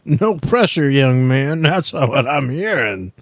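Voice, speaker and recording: A man voicing a gentle old blind country priest with courteous, folksy rural talk. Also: mid-range voice, very animated, slow pace, no echo, clean studio sound. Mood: kindly amused.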